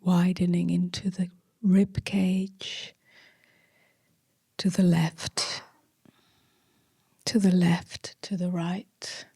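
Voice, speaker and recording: Slow, breathy woman guiding meditation. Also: lowish voice, little pitch movement, no echo, studio quality. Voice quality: soft, breathy. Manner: gentle, hushed, long pauses between short phrases. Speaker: meditation teacher. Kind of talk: guided meditation.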